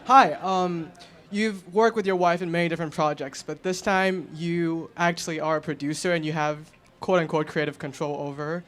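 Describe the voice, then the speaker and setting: Higher-voiced male interviewer. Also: fairly even intonation, moderate pace, a bit bright.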